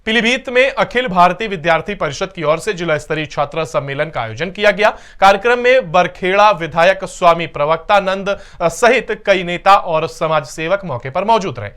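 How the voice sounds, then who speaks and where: A man's voice: sits high, lively intonation, normal speed, few pauses, a bit bright. A man reading scripted television news as an anchor, in a formal announcer delivery with emphatic stresses.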